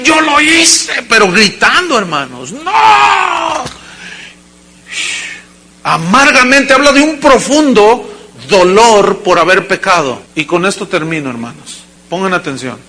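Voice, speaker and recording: A male pastor delivering a sermon to a congregation, with dramatic acted quotes and sudden shouts. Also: high voice. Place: church service before a congregation.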